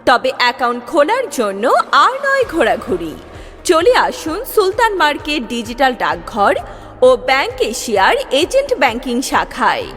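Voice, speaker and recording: High lively woman's loudspeaker announcement. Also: moderate pace. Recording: long reverb with music bed. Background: music.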